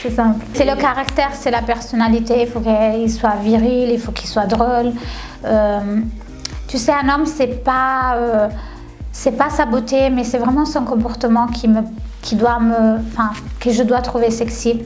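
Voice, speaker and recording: A woman's voice: on the high side, steady tone, moderate pace, darkish tone. A young woman from Tunisia chatting casually in an interview, often laughing and repeating her words. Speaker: reality TV contestant. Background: faint background music.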